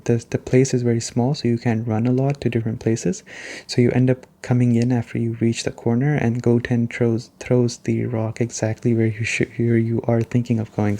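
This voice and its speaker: A soft-spoken man hosting a gaming review as a gentle, unhurried, casual ASMR chat. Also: medium pitch. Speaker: gaming reviewer and video host.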